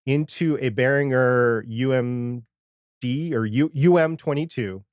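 A man with a quiet, slightly muddled voice co-hosting a podcast in casual conversation. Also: mid-range voice, measured pace, no room sound, studio quality. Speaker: podcast co-host. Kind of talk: casual chat about audio gear.

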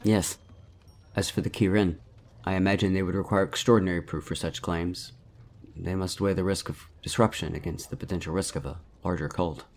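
A man voicing a thoughtful, serious samurai who speaks in a measured way. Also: sits low, steady tone, a little hiss or hum.

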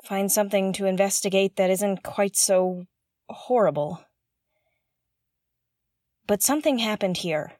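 Actress as curious young female space investigator, nervous, earnest, self-correcting, slow-paced, close dry recording, audio drama. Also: mid-range voice, a little mellow, no room sound, natural voice. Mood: anxious, earnest. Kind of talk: audio drama, confessional log to listeners.

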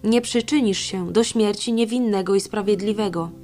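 A woman reading the lines of a bold young man who judges and accuses, in a stern, even way. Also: mid-range voice, normal speed, close to an everyday voice.

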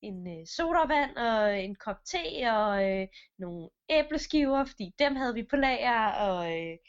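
A woman's voice: fairly high pitch, lively intonation, smooth. A woman telling an improvised story casually, with fillers and acted-out voices. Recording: dull lo-fi recording.

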